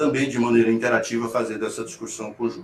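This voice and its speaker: A man with a Ceará accent. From Ceará, Brazil. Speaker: event host and moderator. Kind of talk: live online talk introduction. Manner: halting, many fillers and repeats.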